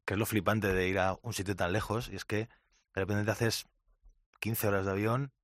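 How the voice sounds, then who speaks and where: A man's voice: lowish voice, steady tone, normal speed, no echo, studio quality. A man with a Castilian Spanish accent chatting casually in an interview, with colloquial, sweary speech. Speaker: musician being interviewed. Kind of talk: casual chat.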